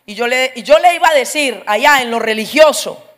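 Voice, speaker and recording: A middle-aged woman with a high voice preaches a funny testimony at a brisk pace. She recounts her story energetically, performing the voices of the people in it.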